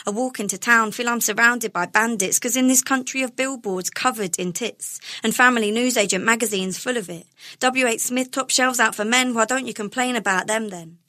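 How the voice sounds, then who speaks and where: A woman's voice: fairly high pitch, brisk, bright, forceful tone, no room sound. A young woman performing rhyming spoken word poetry in an emphatic, indignant, cadenced delivery.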